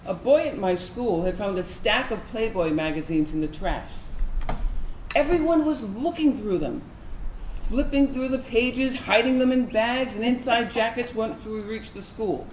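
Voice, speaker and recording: A woman performing a slow dramatic monologue as a reflective lesbian recalling her girlhood, in a staged reading. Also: fairly high pitch, animated, darkish tone. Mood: reflective, confiding. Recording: roomy, noisy live stage recording.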